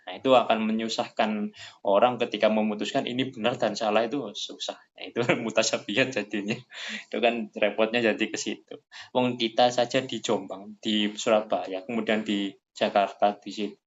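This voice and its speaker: A man hosting a casual religious study talk, animated, his voice climbing high when he quotes people. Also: moderate pace. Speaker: study session host. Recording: dull lo-fi sound.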